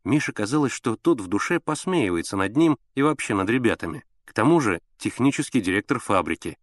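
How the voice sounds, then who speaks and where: In a measured, expressive reading, a man narrates an audiobook from a script. His voice sits on the low side, and the clean studio recording is dry.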